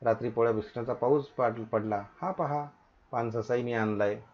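A man's voice: medium pitch, moderate pace, natural voice. Exclaiming chatterbox wife, read by a man for a children's story lesson; muffled recording. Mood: amazed. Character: grown woman, chatterbox wife. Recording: dull lo-fi recording.

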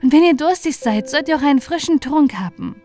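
A woman voicing a kind, gentle young girl in a fairy tale. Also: high voice, lively intonation, brisk, soft background music, pitched above the performer's own voice. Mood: caring. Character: kind, obedient young girl caring for animals.

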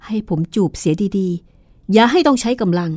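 A woman's voice: medium pitch, animated, moderate pace, a little mellow, dry recording, close to an everyday voice. A woman reading aloud and voicing a villainous young man who sneers and taunts. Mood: leering.

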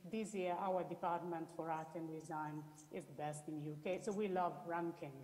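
In a lowish, slightly mellow voice with fairly even intonation and normal speed, an Italian woman researcher explains her work in a spoken slide presentation, frequently rephrasing herself. Her Italian accent carries through an echoey hall with long reverb.

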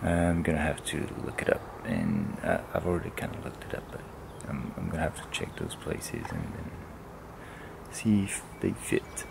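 Young male travel vlogger, gravelly and low, casual and hesitant delivery, loud outdoor noise around him. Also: sing-song, normal speed. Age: young adult. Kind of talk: casual vlog chat. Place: outdoors, by roads and seafront. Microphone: camera-mounted mic at arm's length. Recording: outdoor recording with loud wind and traffic noise.

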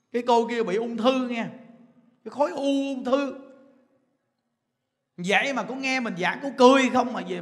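A man's voice: very high voice, a bit bright. A man with a Southern Vietnamese accent giving a chatty, laughing sermon as a Buddhist teacher, often asking his listeners if they understand. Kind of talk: lively sermon to a congregation. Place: large temple hall. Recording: long hall reverb.

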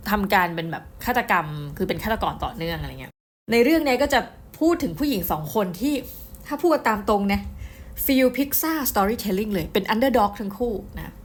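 A middle-aged woman giving a casual book review, chatty and excitable, often speaking straight to her viewers. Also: medium pitch. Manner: chatty, addresses viewers directly, excitable storytelling.

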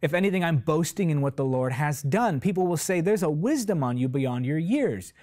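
A man's voice: fairly high pitch, expressive, moderate pace, a little mellow. Impassioned young male TV preacher. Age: 20s. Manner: impassioned, emphatic, with repetitive phrasing and big hand gestures. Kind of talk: sermon. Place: TV studio set, indoors. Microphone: lapel mic.

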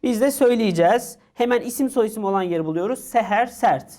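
A woman teaching an English lesson for exam prep, reading each English phrase slowly and then explaining it. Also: fairly high pitch, dark tone. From Turkey.

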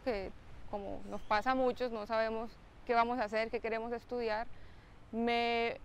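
A young woman, a biomedical engineer, speaking to camera outdoors in a clear, explanatory way with occasional "eh" fillers. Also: on the high side, slight background noise. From Colombia. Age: young adult. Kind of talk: to-camera interview. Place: outdoors by a lake with trees. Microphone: close mic, framed head-on.

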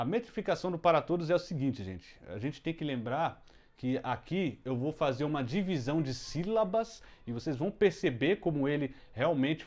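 A man's voice: mid-range voice, darkish tone. A man in a mid-range voice gives a casual music lesson from a room at home. He explains step by step, often restarting words and adding fillers as he goes. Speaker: music teacher. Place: room at home with the window closed. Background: children heard from outside.

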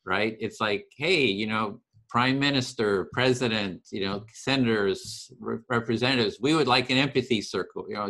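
A man hosting a casual video call discussion, talking earnestly and enthusiastically with halting restarts. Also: medium pitch, a bit bright. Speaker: host of empathy circle series.

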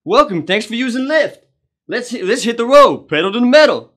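A man's voice: very high voice, very animated, brisk, a bit bright, heavily acted. A man playing an overeager, awkward rideshare driver in a comedy sketch, making nervous, stop-start small talk. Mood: eager, awkward. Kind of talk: comedy character monologue.

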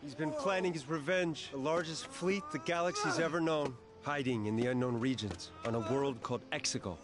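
An actor voicing a serious rebel pilot in a video game, giving brisk, matter-of-fact briefings. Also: male voice, on the high side, natural voice. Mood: grave, brisk. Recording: loud music over the voice.

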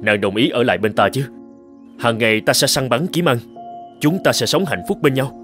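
Commanding young tribal warrior, mid-pitched played by a man. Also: moderate pace, music in the background, lightly acted. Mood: tender, assured. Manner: commanding, protective. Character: proud young tribal warrior posing as a mountain god. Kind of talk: dubbed animated folktale acting.

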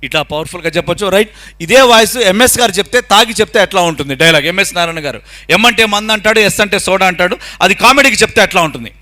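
A man's voice: high-pitched, animated, quick pace, bright, forceful tone. A man from Khammam in Telangana, a mimicry artist, chatting politely with the audience between his impressions. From Khammam district, Telangana. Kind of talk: stage patter introducing impressions.

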